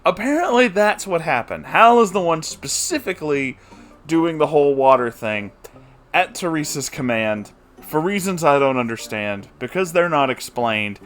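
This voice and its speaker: A book reviewer with a slightly high, bright voice gives a comedic chapter recap, sounding exasperated and incredulous and adding laughing asides.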